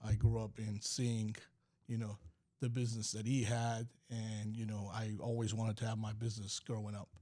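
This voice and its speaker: A man's voice: fairly low pitch, little pitch movement, normal speed, mellow. A man from California, a company president guesting on a podcast, telling stories in a rambling way with lots of fillers. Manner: rambling storytelling with many fillers. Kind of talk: podcast interview.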